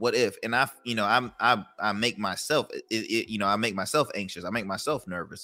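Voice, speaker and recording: A man with an American accent talks loudly at a fairly quick pace, with hardly any pauses. His tone is bright and sharp, his intonation fairly even. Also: very clean recording, silent background. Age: 20s. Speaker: podcast host and business founder. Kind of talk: casual interview conversation. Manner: loud, talkative.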